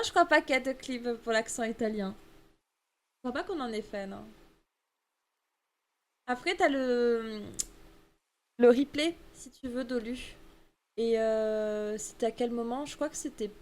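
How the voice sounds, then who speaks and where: A woman's voice: fairly high pitch, measured pace, pauses often. A young woman streamer in casual let's-play chat, playful and teasing as she plays. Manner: playful, teasing, jumps between chat and game.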